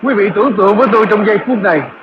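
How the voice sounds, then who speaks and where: A man with a high voice delivers a preacher's talk full of illustrative storytelling. He comes through a shortwave radio, thin and tinny, with plenty of noise over the signal. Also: racing.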